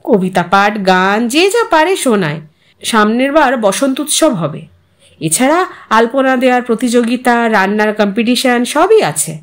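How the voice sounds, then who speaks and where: An older mother voiced by a woman narrator talks on in a fairly high voice. She is a content, chatty housewife in a storybook tale, earnest and reflective about her life. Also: expressive, measured pace. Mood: cheerful, assertive. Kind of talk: storybook character dialogue.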